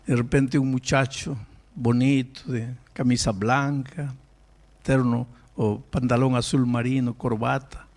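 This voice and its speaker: A male pastor telling a story in a sermon, emphatic and animated, often breaking off and restarting his words. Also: medium pitch, a little slow.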